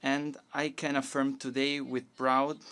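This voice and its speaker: Woman minister, smooth resonant voice, slow careful formal delivery. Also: a bass voice, flat delivery, a bit bright. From Portugal. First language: Portuguese. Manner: measured, halting delivery with restarts. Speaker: government minister giving a statement. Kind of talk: formal conference speech in a second language.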